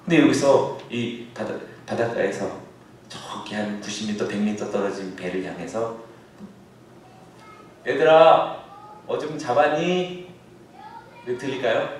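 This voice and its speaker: A male pastor preaching a sermon, now and then bursting into shouted calls as he acts out a scene. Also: mid-range voice, expressive, a little slow, long pauses, a little hiss or hum. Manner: acts out shouted calls across the water, then drops to a soft aside. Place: church sanctuary. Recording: echoey church hall, heard from a distance.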